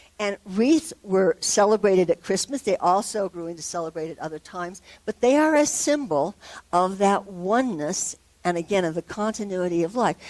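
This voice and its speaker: Dry and close with no echo, a woman's plain, everyday voice sits at a medium pitch. She moves at a moderate pace with lively intonation. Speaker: minister. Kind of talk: sermon talk.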